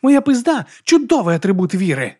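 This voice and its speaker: A man voicing a wild, crude female werewolf warrior who talks loud and brash. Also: high voice, animated, brisk, pitched above the performer's own voice.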